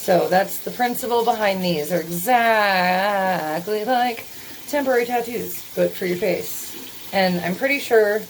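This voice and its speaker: A young woman makes a casual beauty vlog, rambling to the camera with nervous giggles and frequent swearing. Her voice is mid-range and a little slow, with slight background noise.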